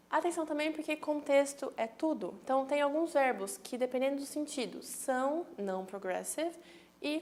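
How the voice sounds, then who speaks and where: A woman's voice: fairly high pitch, darkish tone. A woman teaching English grammar, patiently explaining in her own language and checking that listeners follow, with English example sentences mixed in. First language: Portuguese. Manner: switches between English examples and Portuguese explanation.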